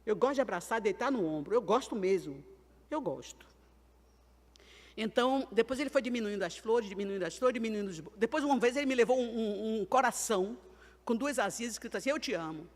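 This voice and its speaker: An older woman preaching a sermon, telling homely stories in a chatty way and swinging between loud and quiet. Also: fairly high pitch, brisk, long reverb tail. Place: church.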